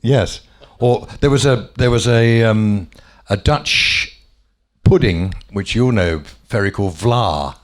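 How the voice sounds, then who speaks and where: An older man with a deep voice recalls old times in a casual interview. He laughs easily as he talks and often stops and restarts his sentences. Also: takes it slowly. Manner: chuckling, many hesitations and restarts. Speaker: former offshore radio DJ, guest.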